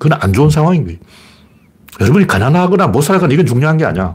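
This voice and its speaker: The voice has vocal fry and swings very widely in pitch. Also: man. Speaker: political and philosophy commentator, YouTube host. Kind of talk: solo livestream commentary and lecture. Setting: live video stream with camera and mic. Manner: rambling, digressive.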